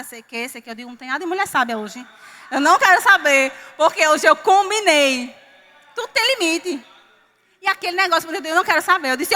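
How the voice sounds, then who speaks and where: A woman from Northeastern Brazil preaching a sermon, telling a personal story with lively quoted dialogue. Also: sits high. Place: church hall. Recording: reverberant church hall.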